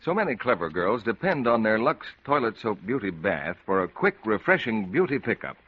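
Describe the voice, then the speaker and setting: A male radio announcer reading a 1940s ad with smooth salesman patter. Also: fairly low pitch, big pitch swings, moderate pace. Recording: dull lo-fi old radio broadcast.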